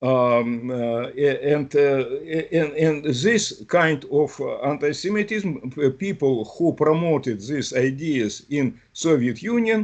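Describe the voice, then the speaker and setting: With a Russian accent, a man of fairly high pitch talks very slowly with lively intonation over a quiet background. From Russia, Moscow. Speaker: author and historian. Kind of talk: panel interview. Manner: halting, many hesitations.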